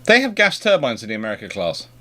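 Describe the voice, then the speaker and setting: A man's voice: medium pitch, wildly swooping pitch, fast, bright, forceful tone. A British man hosting a live question-and-answer chat, talking discursively and often rephrasing himself mid-sentence. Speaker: host.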